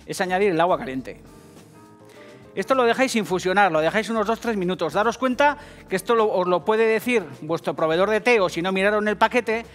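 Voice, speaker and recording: High-voiced basque spanish guy cooking on tv, swears a lot, cracks jokes, bit of music under it. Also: fairly bright tone. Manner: profane, jokey, addresses viewers directly. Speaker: TV cooking show host. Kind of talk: casual cooking demonstration. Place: TV kitchen set.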